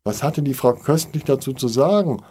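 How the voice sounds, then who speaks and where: A man's voice: mid-range voice, animated, normal speed, warm tone, husky, pitched above the performer's own voice. A man voicing an impatient mother in a storybook reading, asking pointed questions.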